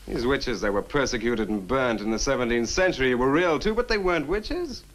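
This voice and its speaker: An actor playing a skeptical, argumentative scientist in a 1960 horror film, with a brisk, emphatic manner. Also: male voice, mid-range voice, lively intonation, a bit bright, close to an everyday voice. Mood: scornful, argumentative.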